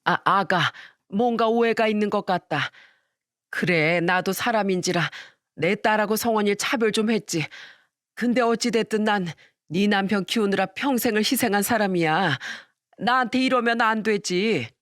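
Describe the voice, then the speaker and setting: A woman voicing a greedy, scheming middle-aged mother-in-law who speaks slowly and coaxingly, close and dry. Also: mid-range voice, fairly bright tone, dry recording, natural voice. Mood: flustered. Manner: slow, coaxing, self-pitying.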